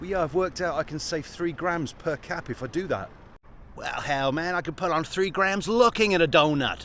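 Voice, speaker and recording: Putting on a gruff character voice, a man speaks at a high pitch and a moderate pace. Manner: bad accent, gruff banter.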